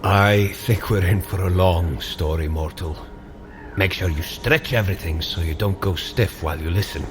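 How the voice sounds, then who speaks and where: A man's voice: low voice, moderate pace, background noise, natural voice. A man playing a commanding yet friendly thunder god in an audio drama, with formal, old-fashioned, encouraging speech. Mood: friendly, instructing. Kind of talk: scripted audio drama acting. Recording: music clearly behind the voice.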